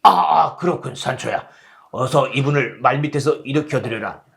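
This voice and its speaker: A man's voice: mid-range voice, normal speed, gravelly, fairly bright tone, husky, voice pushed down. A man voicing a gallant, deluded old knight with a solemn, declamatory manner in a storybook tale. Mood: apologetic.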